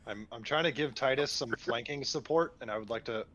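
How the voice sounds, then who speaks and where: A man with a medium-pitched voice plays a tabletop game. He talks casually, describing his moves. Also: a little fast, fairly bright tone, muffled recording.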